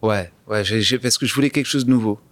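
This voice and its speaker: A man's voice: lowish voice, fast talker, a bit bright, no echo. Hesitant man with a light English accent. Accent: light English-tinged French. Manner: hesitant, many restarts and fillers. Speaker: guest singer-songwriter. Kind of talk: casual interview talk.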